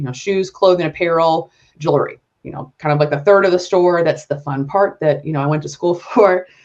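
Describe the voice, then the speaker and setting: A woman with a Southern US accent, fairly low in pitch, at a fairly quick pace. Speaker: web developer and entrepreneur. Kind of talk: casual interview chat.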